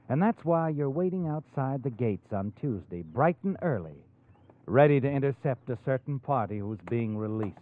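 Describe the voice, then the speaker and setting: A man's voice: mid-range voice, natural voice. An American man playing a sardonic, all-knowing narrator of a 1940s radio mystery, taunting and dramatic. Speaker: narrator and host. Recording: tinny old radio recording, music behind. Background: music.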